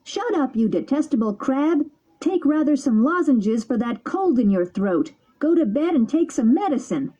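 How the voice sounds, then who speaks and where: A woman voicing an impulsive, rude wooden puppet boy who pleads in a high, tearful voice. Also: measured pace, hardly any pauses, dark tone, dull audio.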